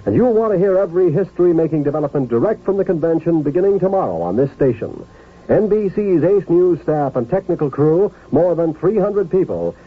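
A man's voice: on the high side, husky. A man announcing a promo in 1950s radio style. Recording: muffled vintage radio recording.

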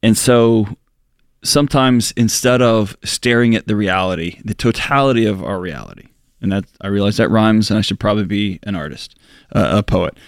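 A man's voice: moderate pace, clear, resonant tone, dry recording, clean studio sound. A man in his forties co-hosting a talk show, speaking in an earnest, reflective way with emphatic outbursts. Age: 40s. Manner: earnest, reflective, emphatic with sudden jumps in pitch. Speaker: co-host. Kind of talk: casual podcast discussion.

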